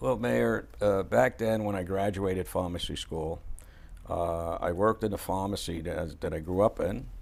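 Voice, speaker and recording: Speaking in a New York accent, a man keeps a moderate pace. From New York City, Brooklyn. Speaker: pharmacist. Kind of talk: interview.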